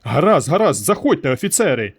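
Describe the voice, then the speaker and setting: A man's voice: fairly high pitch, very animated, fairly quick, slightly rough, full character voice. Man reading as a nervous, protesting guy, everyday voice, flustered. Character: anxious flustered young man.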